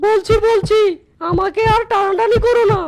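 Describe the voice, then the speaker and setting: A woman's voice: extremely high pitch, steady tone, normal speed, darkish tone. A woman voicing a sly, cowardly male snack-seller thief in a cartoon, whimpering in panic. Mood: panicky. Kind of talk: cartoon voice acting.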